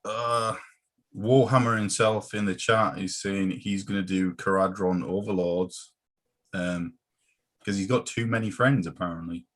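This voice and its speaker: A man's voice: deep voice, fairly even intonation, a little slow, a bit bright. A man co-hosting a casual hobby chat, hesitant with many ums. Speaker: podcast co-host.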